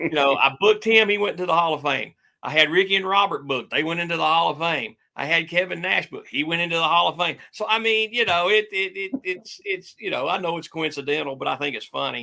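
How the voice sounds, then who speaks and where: A man with a Southern US accent talks at a very fast pace with hardly any pauses. His pitch is high and varies in an ordinary way. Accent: Southern American. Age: 60s. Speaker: wrestling promoter. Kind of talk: interview.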